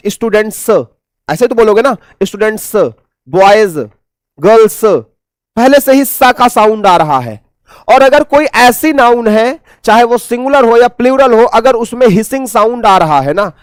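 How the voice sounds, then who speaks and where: A man with an Indian accent runs an exam-prep English lesson with a fairly high voice. He keeps asking rhetorical questions and repeating the answers. The sound is close and dry, with no room echo. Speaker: English teacher.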